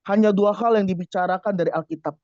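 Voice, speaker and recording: A man giving a preaching testimony to a congregation, telling his story in an animated way and asking the listeners rhetorical questions. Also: sits high, fast talker, no echo. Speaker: church office worker giving a testimony. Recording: dull, dry lo-fi recording.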